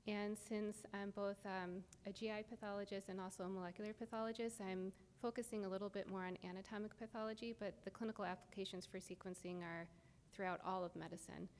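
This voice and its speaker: A soft-spoken woman lecturing to a room, explaining patiently with many pauses and ums. Her voice sits at a middle pitch and carries a long hall reverb, with faint noise underneath. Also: fairly even intonation. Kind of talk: academic lecture.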